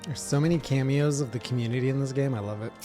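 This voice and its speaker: A man whose first language is French comments on his game in a loose, thinking-aloud way, often trailing off mid-thought. His voice sits at an everyday middle pitch, easygoing and self-deprecating. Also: fast talker, music in the background. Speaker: streamer. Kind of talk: casual gameplay commentary.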